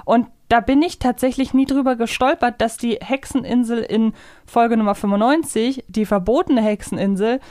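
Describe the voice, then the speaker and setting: A woman's voice: a little high, fairly even intonation, moderate pace, a little mellow, dry recording, clean studio sound. A woman hosting a podcast in a conversational way. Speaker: podcast host.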